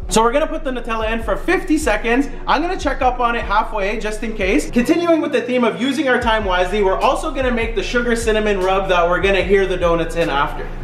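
Delivered at a very fast pace with hardly any pauses, the speech carries light background noise and audible room echo. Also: man. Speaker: cooking vlogger. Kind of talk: casual cooking tutorial. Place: kitchen. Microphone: phone near.

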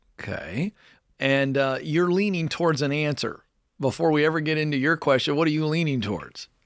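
A man talks with ordinary pitch variation at a fairly quick pace, the background quiet. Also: dry sound with no echo. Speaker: radio host. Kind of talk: call-in advice show. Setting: studio. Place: studio. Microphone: studio mic.

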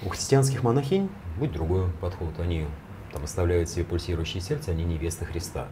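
With noticeable background noise, a man speaks at a very fast pace in a very deep, low pitch. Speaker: spiritual teacher. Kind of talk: interview. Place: studio. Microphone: lapel.

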